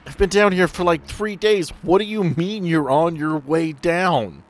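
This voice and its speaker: A man's voice: on the high side, a little slow, pitched above the performer's own voice, natural voice. A man playing a frantic voice trapped below. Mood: pleading. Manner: pleading, frantic. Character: panicked trapped man calling on a ghostly radio.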